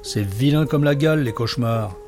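A man voicing a cheeky, easily startled young boy in a radio story, with soft music behind. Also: mid-range voice, moderate pace, lightly acted. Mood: indignant.

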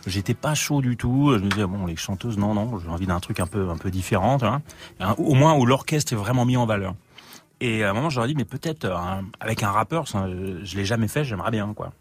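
A man in his fifties, a musician guest in a radio studio, chatting in a relaxed, colloquial way with many restarts. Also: fairly low pitch, quick pace, slightly rough. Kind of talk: casual interview chat.

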